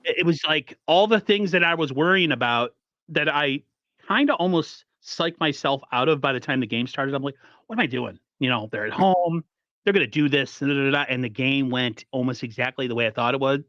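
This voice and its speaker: A man hosting a casual sports podcast, talking in an animated, rambling way with frequent restarts. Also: medium pitch, brisk, no room sound, lo-fi sound. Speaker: podcast host.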